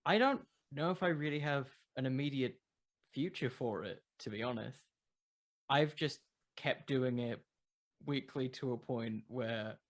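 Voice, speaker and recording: A man chatting casually as an interview guest, informally thinking aloud as he answers. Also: mid-range voice. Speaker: podcast creator being interviewed.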